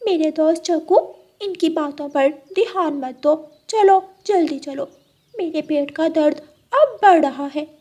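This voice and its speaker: A scheming black cat in a children's cartoon, put on by a woman, sweet-talking her way along and dropping meows into her lines. The voice sits well above the woman's own, bright and girlish, and the pace is unhurried. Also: high voice, pitched above the performer's own voice. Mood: coaxing.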